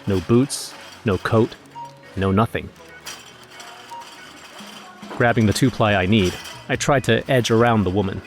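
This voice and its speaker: A low-pitched actor as a male everyman tells a first-person horror tale. His delivery is wry and measured with an uneasy edge, over a faint music bed. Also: lightly acted. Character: wry, nervous everyman narrator recounting a snowstorm errand.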